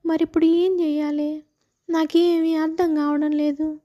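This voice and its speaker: A woman's voice: high-pitched, little pitch movement, measured pace, warm tone, lo-fi sound. Woman doing a scolding mother-in-law Kantamma. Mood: complaining. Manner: scolding, complaining. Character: anxious bossy mother-in-law.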